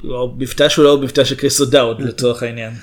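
A man co-hosting a film podcast, talking in a measured, hesitant way with pauses. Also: mid-range voice, fairly even intonation. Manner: measured, hesitant, many fillers. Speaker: podcast co-host. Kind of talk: casual film chat.

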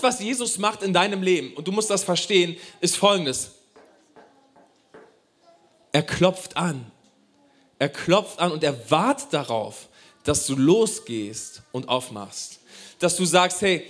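A man preaching a sermon, addressing the congregation directly in an animated way. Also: a little high. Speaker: pastor.

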